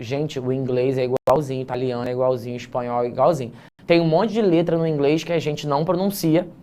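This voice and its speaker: Chatty male teacher explaining grammar. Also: fairly high pitch. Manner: chatty, explanatory, addresses students informally; mixes slangy asides with grammar points. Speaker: teacher correcting an exam essay. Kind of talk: casual classroom lesson.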